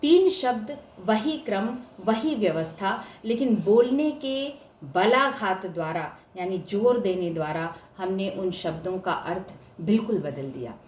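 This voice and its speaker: A woman's voice: mid-range voice, animated, measured pace, a little mellow. A woman giving an academic lecture, explaining each point and stressing words to show examples. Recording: echoey room with faint hiss.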